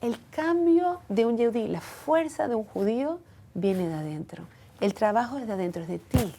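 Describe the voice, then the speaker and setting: A woman's voice: a little high, animated, normal speed, warm tone. A woman speaking earnestly and reflectively as a guest in a personal interview. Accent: foreign accent when speaking Hebrew. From from outside Israel.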